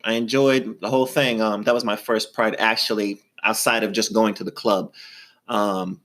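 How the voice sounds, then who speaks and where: A man in his thirties co-hosting a casual podcast, telling stories in a playful, drawn-out way with frequent ums. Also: fairly low pitch, steady tone, a bit bright. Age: 30s. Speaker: podcast co-host. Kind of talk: casual chat.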